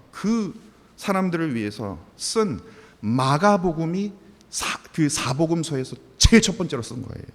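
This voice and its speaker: A man in his forties delivers a sermon in a church sanctuary. His voice sits high and ranges widely as he pushes rhetorical questions at the congregation. A long reverb trails each phrase. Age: 40s. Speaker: pastor.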